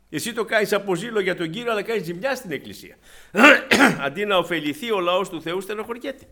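Preacher with a higher-pitched voice. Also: male voice. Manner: swings between loud exhortation and soft low asides, retelling anecdotes. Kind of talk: sermon.

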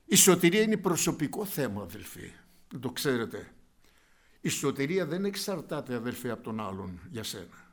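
Calling his listeners brothers, a man preaches with fervor, shifting from soft asides to loud bursts. His medium-pitched voice swings widely in pitch.

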